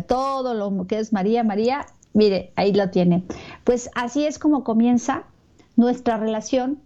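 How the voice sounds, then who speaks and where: Mexican woman doing a catholic talk, mellow voice, lots of ums and restarts, kinda dull lo-fi sound. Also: mid-range voice. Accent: Mexican Spanish. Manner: hesitant, many fillers and repeated words. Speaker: Catholic speaker. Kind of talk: religious talk to an audience. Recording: dull lo-fi recording.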